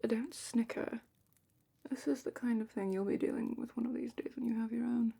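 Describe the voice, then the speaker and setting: Woman acting as a calm dragon keeper, husky whisper, creaky edges, gently wry, slow deliberate phrasing, close-miked fantasy ASMR roleplay. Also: fairly high pitch, exaggerated voice. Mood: fond, wry. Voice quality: breathy whisper and soft-spoken murmur. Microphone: close ASMR microphone.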